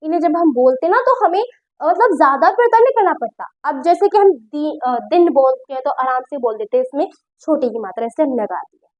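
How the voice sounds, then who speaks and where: A woman's voice: high-pitched, lively intonation, fairly quick, dull audio. A woman teaching a grammar lesson, who explains patiently, repeats her points and checks whether the class understood.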